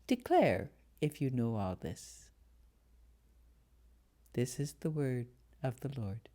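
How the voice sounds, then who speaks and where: Low-voiced woman reading scripture slowly. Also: huge pitch swings, warm tone. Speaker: lay scripture reader.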